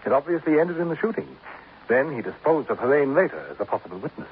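An actor playing a smug, florid older killer, mocking and very pleased with himself, in 1950s radio acting. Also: male voice, on the high side, sing-song, fast talker. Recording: tinny, lightly hissy old radio broadcast.

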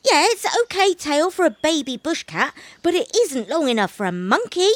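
A woman's voice: sits high, very animated, moderate pace, dry recording, voice pushed up. Woman doing a teasing bossy monkey. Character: easygoing bossy male monkey.

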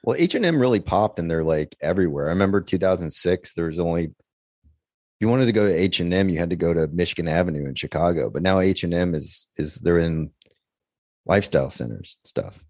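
A male podcast co-host with a very deep voice talks in a casual, rambling way. The sound is dry, with no room around him. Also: expressive, fast, darkish tone, no echo. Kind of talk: casual chat.

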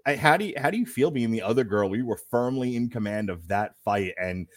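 A man's voice: mid-range voice, animated, a little fast, dry recording. A man hosting a live fight-night stream, chatting casually with jokey asides and frequent laughs. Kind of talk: casual live commentary chat.

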